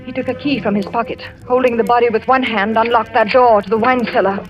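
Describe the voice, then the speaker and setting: Young actress as a scared young wife in an old radio play, fairly high voice, tense and hushed, music under a dull recording. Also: female voice, fairly even intonation, quick pace, lightly acted. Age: young adult. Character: young wife telling a frightened tale. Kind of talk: 1940s radio acting.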